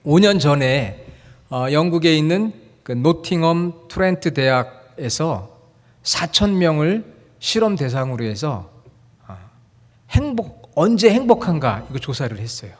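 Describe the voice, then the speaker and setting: Korean-speaking male pastor, a touch higher voice, chatty sermon that teases and questions the congregation, long echo in the sanctuary. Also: lively intonation, a little slow. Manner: friendly, jokes and quizzes the congregation. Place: church sanctuary. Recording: long hall reverb.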